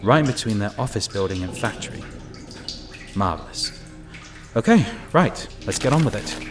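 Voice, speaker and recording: Man acting as male sewer inspector, lowish voice, uneasy, musing to himself, first-person audio drama narration, prominent background music. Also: animated, normal speed, close to an everyday voice. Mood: muttering, businesslike.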